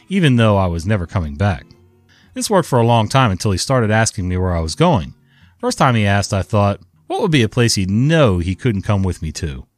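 A man's voice: lowish voice, dry recording. A man reading online stories aloud and adding his own casual commentary. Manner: lively, conversational storytelling. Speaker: story narrator.

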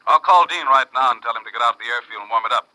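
An actor playing a brusque, worried American field manager with a blunt, slangy manner in a 1950s radio drama. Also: male voice, medium pitch, very fast, sharp tone, dry recording, rough recording. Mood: worried, resigned.

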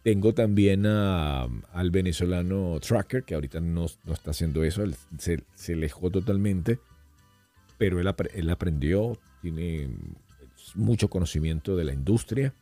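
A man's voice: deep voice, normal speed, no echo, faint music behind. A middle-aged man, a podcast guest, telling stories in casual conversation and slipping into voices and accents as he goes. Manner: animated storyteller who slips into voices and accents.

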